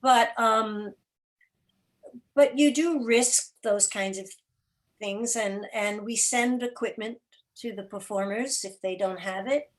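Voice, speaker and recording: On a remote video call, a woman who produces radio drama and podcasts answers interview questions informally as a guest. Her voice is fairly high-pitched and she takes things slowly.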